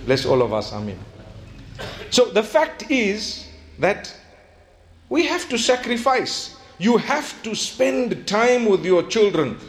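A man preaching an Islamic sermon. He tells stories animatedly, acts out bits of dialogue and slows down to stress his key points. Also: sits high. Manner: animated storytelling, acting out quoted dialogue.

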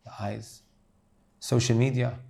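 A man's voice: medium pitch, little pitch movement, measured pace, vocal fry, mellow. A man preaching an earnest sermon, addressing his listeners as brothers and sisters.

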